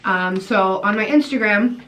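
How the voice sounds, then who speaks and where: A woman's voice: mid-range voice, a little slow, fairly bright tone, rough recording. A young woman vlogger in casual chat with her boyfriend, playful and teasing, telling stories with acted-out quotes.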